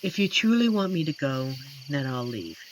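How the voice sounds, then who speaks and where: A performer voicing an amiable, shy werewolf forest protector in a roleplay audio drama, speaking gently and hesitantly with earnest pauses. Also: medium pitch, sing-song, close to an everyday voice. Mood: gentle, reserved. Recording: noisy track with night cricket ambience. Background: crickets and night forest insect ambience.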